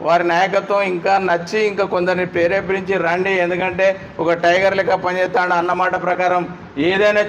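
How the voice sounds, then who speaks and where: Calm, fast-speaking man. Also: sits high, a little hiss or hum. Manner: calm, explains his grievance. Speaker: interviewee, former public representative. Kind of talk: measured explanation in interview.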